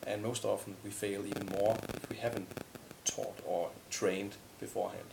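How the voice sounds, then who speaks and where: A man's voice: lowish voice, little pitch movement, normal speed, gravelly, a little hiss or hum, poor audio. A man who is a university lecturer and a native Danish speaker, speaking reflectively in a group discussion with many hesitant restarts.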